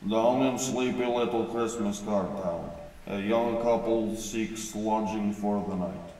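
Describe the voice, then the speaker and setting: An actor playing a stiff ensign who narrates a comic radio drama in deadpan, oddly worded sentences. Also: male voice, lowish voice, slow, a little hiss or hum. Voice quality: stilted, deadpan, odd grammar. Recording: very echoey, distant mic.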